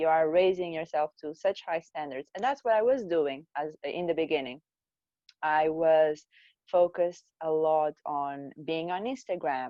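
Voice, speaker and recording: With a non-native accent, a woman talks at a fairly slow pace. Her pitch is fairly low. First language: not English. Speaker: entrepreneur and podcaster. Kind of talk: podcast interview. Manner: halting, frequent self-corrections.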